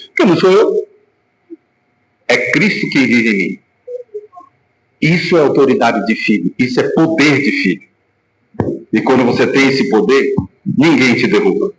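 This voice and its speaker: A man's voice: fairly high pitch, slight background noise. Emphatic male pastor in an echoey hall. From Brazil. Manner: emphatic preaching, rhetorical questions, sudden shouts. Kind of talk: sermon. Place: church hall.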